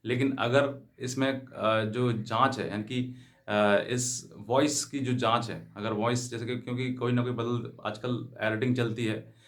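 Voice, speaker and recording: Man, medium pitch, legal advice host, explanatory, repeats and rephrases key terms. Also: fairly even intonation, a little slow.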